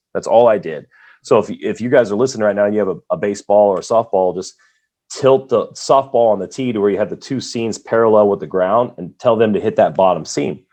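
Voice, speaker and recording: A man speaks very fast at a fairly low pitch with ordinary pitch variation. His tone is dark and mellow. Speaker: baseball coach and podcast co-host. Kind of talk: casual podcast chat. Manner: loud.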